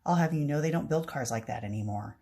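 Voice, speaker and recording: A woman's voice: deep voice, expressive, quick pace, dark tone. A woman voicing a teenage boy defending his old car while reading a comic aloud. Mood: defensive.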